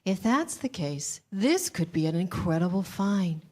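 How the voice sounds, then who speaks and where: A woman's voice: lowish voice, very animated, measured pace, dark tone. A woman playing a seductive, manipulative Hollywood producer with a condescending streak in a staged reading. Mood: smooth, flattering.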